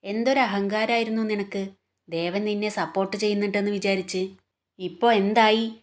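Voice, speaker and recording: A woman's voice: mid-range voice, fairly even intonation, normal speed, close to an everyday voice. Woman narrator doing a taunting young office woman in a storybook, spiteful and mocking.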